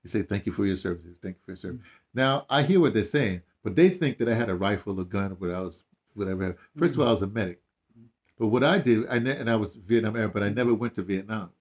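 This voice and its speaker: A man's voice: on the low side, quick pace. An American man in his sixties or older talking casually and reflectively, rambling with emphasis, false starts and repeated phrases. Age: 60s or older. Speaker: audio dramatist being interviewed. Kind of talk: casual reflective interview talk, storytelling. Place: small room at home, indoors.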